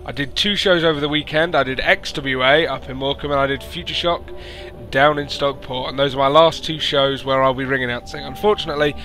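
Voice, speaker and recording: A man, hoarse from losing his voice, hosting and commentating a strategy game by himself and rising to excited announcing at big moments. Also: medium pitch, a little fast, faint music behind. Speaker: esports caster and show host.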